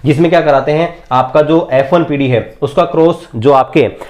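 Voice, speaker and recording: A man's voice: fairly high pitch, normal speed, darkish tone. A man teaching an exam-prep biology lesson at a board, quizzing students and answering his own questions, stretching key terms word by word.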